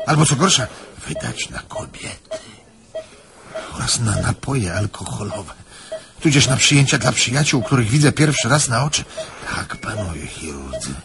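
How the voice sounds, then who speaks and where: An actor playing an anxious, self-pitying German jeweller in a radio play, fretful and rambling. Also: male voice, medium pitch, huge pitch swings, moderate pace, vocal fry, background noise. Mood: fearful, rambling. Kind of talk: theatrical radio play acting.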